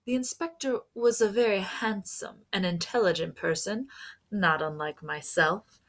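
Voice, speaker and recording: A young woman reading a storybook aloud in an expressive, deliberate, emphatic way, like a teacher. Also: medium pitch. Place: small room at home.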